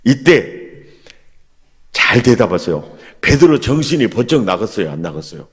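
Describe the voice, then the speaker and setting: A man preaching a revival sermon as pastor, animated and asking the congregation questions. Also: on the low side, moderate pace, slightly rough. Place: church sanctuary. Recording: long hall reverb in church.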